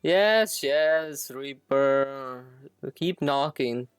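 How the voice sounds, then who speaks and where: A man's voice: mid-range voice, drawn-out words, smooth, dry recording, studio quality. A man chatting casually and a little hesitantly to viewers while live streaming a game.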